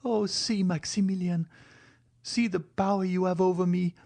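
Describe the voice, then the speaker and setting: Guy doing a heartbroken young woman, high and pleading, begging through tears in an audiobook. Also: steady tone, normal speed, vocal fry, a little mellow. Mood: impassioned. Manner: impassioned, tearful pleading. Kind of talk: audiobook reading.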